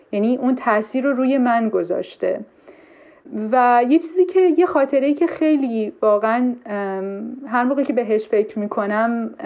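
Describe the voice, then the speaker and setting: At a moderate pace, a woman with a high pitch speaks with lively intonation, very even loudness and long, frequent pauses. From Iran. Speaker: eye doctor and youth program volunteer. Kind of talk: interview.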